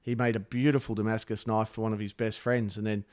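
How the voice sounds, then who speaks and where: A man's voice: on the low side, little pitch movement, quick pace, darkish tone. Blunt, crude-humored podcast man. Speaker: podcast co-host. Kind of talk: casual podcast chat.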